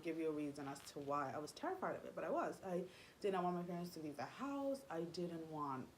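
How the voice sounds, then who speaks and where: A woman's voice: deep voice, slight background noise, low-quality recording. A young woman, a native Spanish speaker, telling a personal story in a rambling, confiding way with many fillers and restarts. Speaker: vlogger.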